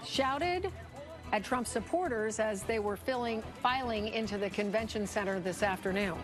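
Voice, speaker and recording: A woman's voice: fairly high pitch, normal speed. A woman with an American accent reading headlines as a local TV news anchor. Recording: music bed under broadcast voice.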